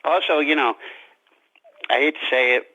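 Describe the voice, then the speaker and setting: A man speaking as a guest author in an interview, reflective and halting, often restarting his sentences. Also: a little high, steady tone, bright, forceful tone. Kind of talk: interview conversation. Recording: dull lo-fi radio-like sound.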